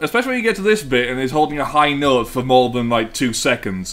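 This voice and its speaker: Over noticeable background noise, a man with a medium-pitched voice speaks fairly quickly with lively intonation. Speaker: film commentary co-host. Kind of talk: casual chat. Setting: watching a film together.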